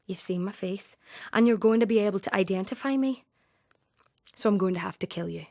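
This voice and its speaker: A woman's voice: medium pitch, fairly quick, mellow, dry recording, studio quality, close to an everyday voice. A woman performing a dramatic monologue as a traumatised, streetwise young woman, raw, colloquial and defiant. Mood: raw, urgent. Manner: raw, colloquial, mimics her attacker.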